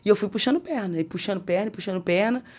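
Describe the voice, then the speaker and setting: A young woman telling a personal testimony on a podcast, animated, acting out the people she quotes. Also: medium pitch, racing. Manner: animated, acts out quoted dialogue. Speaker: guest singer. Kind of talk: podcast testimony, casual storytelling.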